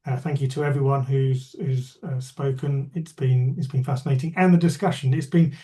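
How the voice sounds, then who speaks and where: A man with a dark, mellow voice gives polite closing thanks over a video call. He repeats words and fills pauses with uh and um. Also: mid-range voice, steady tone. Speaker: chief executive. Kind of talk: closing remarks in a meeting.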